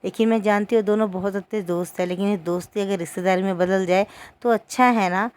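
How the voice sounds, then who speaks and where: A woman's voice: medium pitch, fairly even intonation, quick pace, a little mellow, smooth, no room sound, close to an everyday voice. A woman voicing a stern, scheming middle-aged mother who gives orders. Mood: bossy. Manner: bossy, giving orders.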